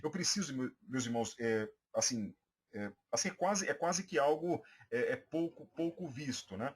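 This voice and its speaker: A pastor with a Brazilian Portuguese accent, recorded teaching a preaching class to church members, addresses them as brothers. His mid-range, slightly rough voice has lively intonation at a normal speed, though his delivery is hesitant and full of fillers and restarts.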